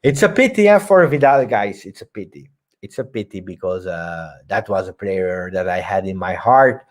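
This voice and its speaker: A man's voice: low voice, lively intonation, moderate pace. A man hosting a live post-match football reaction stream, talking emphatically and reading viewer comments aloud. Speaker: football channel host.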